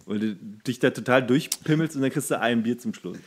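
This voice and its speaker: A man's voice: mid-range voice, a little fast, a little mellow, slightly rough. A man co-hosting a podcast, chatting loosely with slang and jokes. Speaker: podcast co-host. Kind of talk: casual chat. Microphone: studio microphone.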